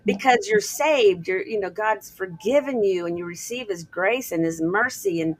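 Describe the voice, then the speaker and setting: A woman's voice: medium pitch, animated, moderate pace. A woman hosting a podcast, speaking in an affirming way about faith and healing. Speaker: podcast host. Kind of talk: podcast interview.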